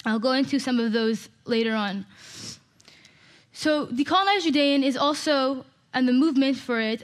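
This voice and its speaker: A woman's voice: high voice, fairly bright tone. A woman from Canada giving an impassioned, emphatic public talk to an audience. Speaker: speaker.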